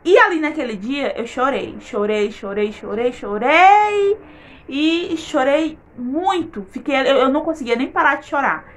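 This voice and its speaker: A woman's voice: high-pitched, lively intonation, moderate pace, hardly any pauses, a bit bright. A woman giving an earnest faith testimony in her vlog, repeating words for emphasis.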